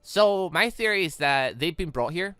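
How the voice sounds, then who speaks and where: A gaming YouTuber giving casual, rambling, expressive let's play commentary on a visual novel, speaking emphatically. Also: medium pitch, normal speed, clear, resonant tone, no room sound. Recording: game music playing behind voice. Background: visual novel game music.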